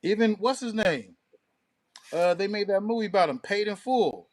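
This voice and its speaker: Slightly high-voiced man in slangy casual talk. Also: lively intonation, normal speed, crowd noise. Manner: slangy, profane, emphatic street talk. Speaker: radio show co-host. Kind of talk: casual opinionated chat.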